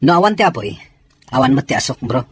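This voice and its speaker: A man's voice: medium pitch, very animated, fast, a little hiss or hum, close to an everyday voice. A man playing a stern, suspicious soldier in a serial drama, with a firm, questioning manner. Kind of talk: Ilocano serial drama acting.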